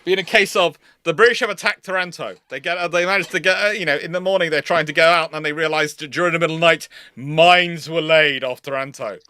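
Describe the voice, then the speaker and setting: A man's voice: on the high side, fast, hardly any pauses, sharp tone, clean tone, dry recording. A man hosting a casual live question-and-answer chat, talking in a rambling, digressive way. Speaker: host of a live naval history Q&A.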